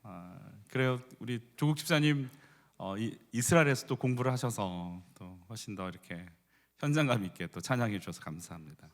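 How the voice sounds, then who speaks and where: A middle-aged man preaching a Sunday sermon in a church sanctuary. His voice sits at an ordinary middle pitch. He talks to the congregation in a conversational way and invites them to read scripture aloud with him. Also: expressive, a little fast. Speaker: pastor.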